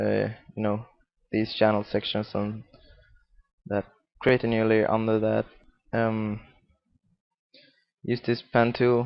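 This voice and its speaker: Delivered in a Swedish accent, the speech is very slow, monotone and flat, with long, frequent pauses. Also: man. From Sweden. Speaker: graphics tutorial youtuber. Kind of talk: tutorial. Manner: casual, halting with fillers.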